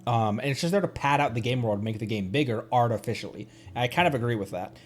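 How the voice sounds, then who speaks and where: A man's voice: mid-range voice, animated, fast. A man doing casual, chatty game commentary as a streamer, hesitant as he thinks aloud. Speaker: streamer, VTuber host.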